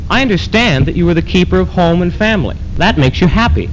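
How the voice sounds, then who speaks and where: A man acting as a measured, formal narrator who appraises women in readers theater. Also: sits high, expressive. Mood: appraising. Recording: dull noisy 1970s archive recording.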